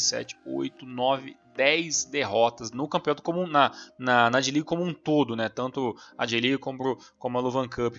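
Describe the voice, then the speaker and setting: A man's voice: mid-range voice, pushed and bright. A man talks football on a podcast in a loose, rambling way, full of fillers and restarts. The recording is dull and lo-fi, with faint music behind him. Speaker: podcast co-host. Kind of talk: casual football chat.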